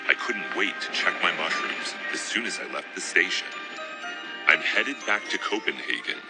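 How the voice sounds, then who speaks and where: A man with an exceptionally deep voice narrates a documentary in a calm, measured way. His delivery stays soft and faintly deadpan even when he marvels. Loud background music sits under the recording. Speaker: documentary host. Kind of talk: documentary narration and field interviews.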